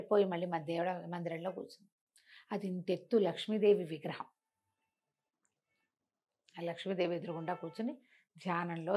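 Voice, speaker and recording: Expressive woman storyteller. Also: lowish voice, slightly rough. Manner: expressive, acts out dialogue, repeats phrases for emphasis. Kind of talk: conversational oral storytelling of a moral folk tale.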